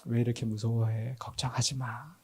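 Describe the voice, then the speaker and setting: A man voicing a calm, fatherly Jesus who soothes frightened followers in a soft, low voice during a sermon. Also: normal speed, vocal fry. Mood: soothing.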